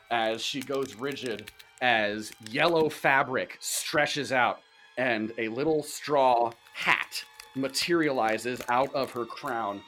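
A man runs a sci-fi tabletop game as game master, speaking slowly and unhurriedly. He describes each scene vividly in the second person, with faint music behind him. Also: mid-range voice, sharp tone. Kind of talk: tabletop role-play narration.

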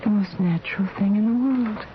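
An actress playing a bedridden woman in a trance, musing to herself in halting, wondering phrases in a radio drama. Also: medium pitch, steady tone, natural voice. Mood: dreamy wonder. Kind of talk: radio drama interior monologue. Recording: dull, noisy vintage radio broadcast.

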